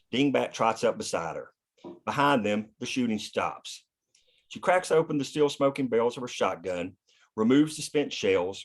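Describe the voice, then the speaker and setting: A man narrating scripted action and scene headings at a screenplay table read. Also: mid-range voice. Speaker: narrator reading stage directions.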